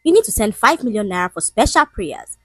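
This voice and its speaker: A woman's voice: mid-range voice, big pitch swings, fairly quick, husky, no room sound, faint music behind. A woman voicing a greedy woman pastor who talks in a preachy, demanding way.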